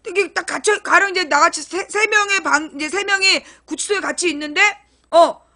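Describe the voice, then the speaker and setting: A woman's voice: extremely high pitch, fairly quick, bright, forceful tone. A middle-aged woman hosting a casual political livestream, talking animatedly with many fillers and acting out quoted lines.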